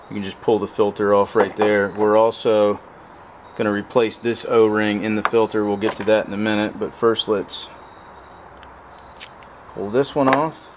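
A man who hosts motorcycle repair how-tos works with his hands at a truck bed outdoors, explaining each step of the repair in a plain, practical way. His voice sits lowish, and there's background noise.

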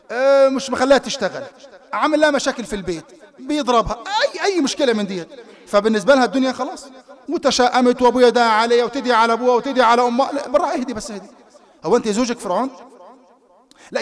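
A man with an Egyptian Arabic accent gives a live sermon in a very high voice. He talks fast and tells his stories with animation. He often stops to ask his listeners rhetorical questions. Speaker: preacher. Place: Islamic center hall.

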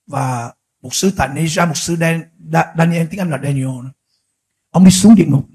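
A man preaching a sermon as pastor, swinging from quiet, slow stretches to loud, shouted peaks. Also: a little high, breathy edge. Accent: Vietnamese.

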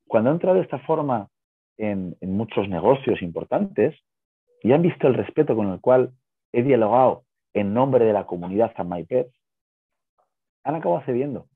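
A man talks on a thin, phone-like video call. His voice sits fairly low and is notably husky, with very little room around it. He explains things conversationally, punctuating them with little checking questions. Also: no echo. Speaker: guest, pet-business co-founder.

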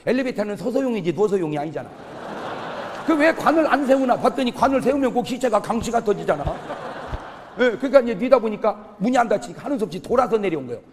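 A man with a high, lively voice preaches a comic revival sermon to his congregation. He tells stories in a storyteller's way and acts out the voices of the people in them. His voice carries a long reverb from the church hall, over a faint room hum. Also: fast talker. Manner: animated storytelling, acting out quoted voices; shouting punchlines to the congregation. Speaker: pastor.

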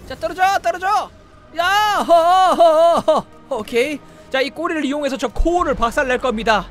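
A man giving excited, shouting commentary while playing a video game and talking to the creature on screen. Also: very high voice. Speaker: game streamer.

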